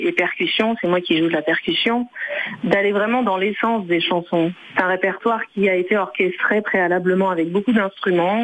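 A woman with a fairly low voice, a native Arabic speaker, talks about her music on the radio. She hesitates often, restarting phrases and filling pauses, over faint background noise. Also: poor audio. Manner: hesitant, many fillers and restarts. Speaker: singer and musician guest. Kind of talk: radio interview answers.

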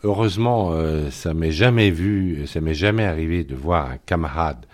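A man's voice: low voice, normal speed, darkish tone. A male journalist speaking as a guest in a radio debate, hesitant and full of fillers.

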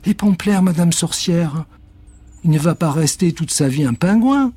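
A man's voice: on the high side, animated, unhurried, pitched above the performer's own voice. Man doing an earnest little schoolgirl. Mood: worried. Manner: gently scolding, reassuring.

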